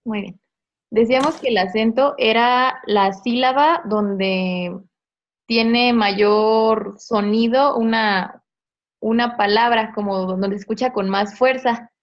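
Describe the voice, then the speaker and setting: A woman's voice: on the high side, fairly even intonation, slow, highs cut off. A woman teacher, patiently explaining a grammar lesson step by step and checking in with tag questions. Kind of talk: online class explanation.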